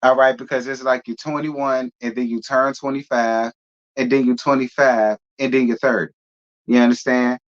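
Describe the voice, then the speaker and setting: A man in his thirties hosts a casual live stream, reading out chat comments and replying with a sassy drawl and lots of laughter. His voice is medium-pitched, flat in delivery and moderately paced, with the highs cut off.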